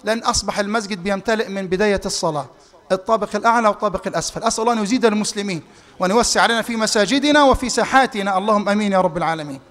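Egyptian sheikh preaching friday sermon, real high voice, talks fast, loud bits then soft asides. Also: male voice. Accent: Egyptian Arabic. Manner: swings between loud emphatic peaks and soft asides. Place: mosque hall. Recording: reverberant mosque hall livestream.

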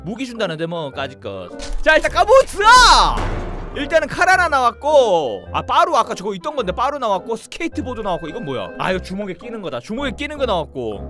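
Gaming host, male, high and wildly animated delivery over game music; excitable self-talk. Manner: excitable, shouts and laughs, talks to himself. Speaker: gaming YouTuber. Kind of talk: lively let's-play commentary.

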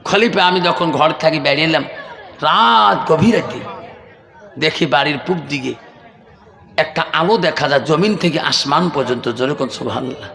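A man preaching a waz sermon, telling a story in a chanting, drawn-out melodic style and calling out repeatedly to his listeners. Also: on the high side, creaky, bright, forceful tone, some chatter behind. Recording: echoey hall reverb through PA.

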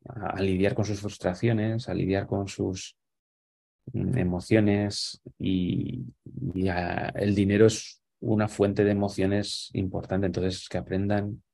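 Deep gravelly man on a video call. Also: little pitch movement, slow pace, mellow. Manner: thoughtful, explaining with many fillers and restarts. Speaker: guest. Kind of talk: casual conversation on a video call. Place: small room at home. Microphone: webcam on a video call.

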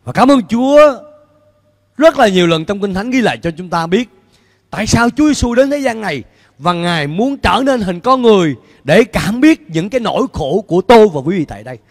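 A middle-aged man preaching a sermon as pastor on a church stage with a handheld mic, animated and putting questions to the congregation. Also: high voice, fairly quick. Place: church stage before a large screen, indoors. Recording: long hall reverb in a large church.

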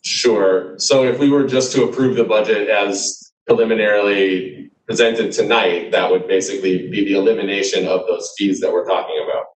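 A man chairs a board meeting over a video call, measured and formal as he moves through procedure. His voice is fairly low. It comes through roomy and distant. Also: fairly even intonation.

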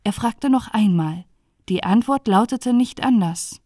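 A woman reading a dark bedtime fairy tale aloud in a calm, even narrating voice. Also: medium pitch, a little slow, no echo, studio quality. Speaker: storyteller.

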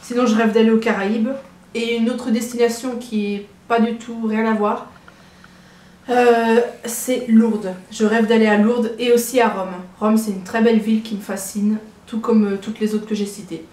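At a moderate pace, with fairly high pitch, little pitch movement and a darkish tone, a woman in her early twenties from Brittany, France, introduces herself on her vlog. Her casual talk rambles, stalls and repeats. She sits indoors in a small living room at home, picked up by a compact camera on a tripod around a metre away, in an echoey room with clear background noise.

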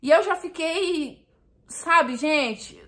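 A woman's voice: high voice, drawn-out words, bright, forceful tone. A young woman telling a personal story in the first person, emotional and confiding, often turning to her listeners.

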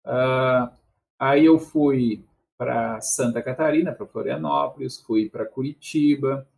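A man in his fifties from southern Brazil, speaking Brazilian Portuguese with a Porto Alegre accent, joins a debate as a guest over a casual video call on a headset. His mid-range voice is creaky and darkish, and he takes it slowly, rambling, chuckling, and tacking on tag questions.

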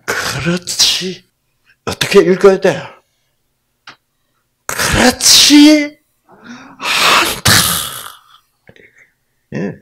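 A man giving a Bible lecture to an audience, often putting rhetorical questions to his listeners and acting out quoted lines in sudden loud bursts. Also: mid-range voice.

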